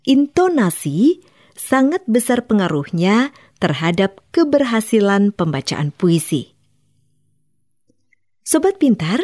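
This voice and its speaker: A woman narrating an educational program for children, speaking in a clear, instructive way. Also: medium pitch, darkish tone.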